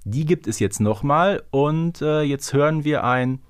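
A man's voice: fairly high pitch, unhurried, smooth. A man from Germany's Ruhr area hosting a podcast in a casual, chatty style. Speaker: podcast host. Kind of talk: casual chat.

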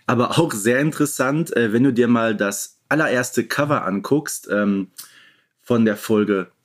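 A man's voice: mid-range voice, unhurried. A man co-hosting a podcast, talking casually as a fan and explaining points in an informal discussion. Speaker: podcast co-host.

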